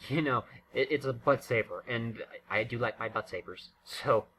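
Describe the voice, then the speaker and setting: A man's voice: mid-range voice, moderate pace, pushed and bright, low-quality recording. A man giving casual, unscripted game commentary in a rambling, self-interrupting way. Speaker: gaming video creator.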